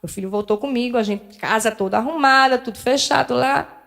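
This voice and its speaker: Woman, middle-aged, spiritist lecturer, fairly high voice, animated storytelling, plays out dialogue. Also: a little fast, vocal fry. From Northeast Brazil. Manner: candid and self-deprecating with the audience. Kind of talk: personal storytelling in a spiritual talk.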